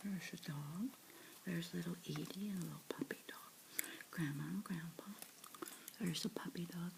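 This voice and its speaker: A woman softly whispering her way through a picture book, slowly and dotingly remarking on the pictures as she reads. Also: lowish voice, gravelly, background noise. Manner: slow, soft, doting commentary on the pictures.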